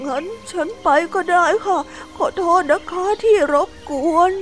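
A woman's voice: very high-pitched, unhurried, voice pushed up. A woman voicing a shy, clumsy young female hippo who keeps apologizing through tears. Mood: tearful apology. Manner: apologetic, tearful. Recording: music underneath.

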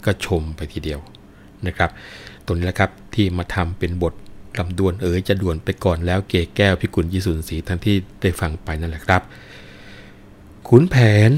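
A man with a very low, deep voice retells an old folk tale, stopping to explain the verses. He speaks politely and unhurriedly, with faint noise behind him. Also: fairly even intonation, moderate pace, a little mellow. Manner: polite, explanatory, adds sentence-final particles. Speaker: storyteller. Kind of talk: storytelling with commentary on verses.

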